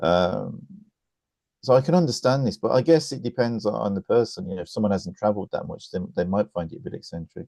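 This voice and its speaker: A man speaks at a very fast pace, with a fairly low pitch and very wide swings in pitch. His tone is dark and mellow, and the sound is dry and close with no echo. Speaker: interview host. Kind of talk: interview conversation.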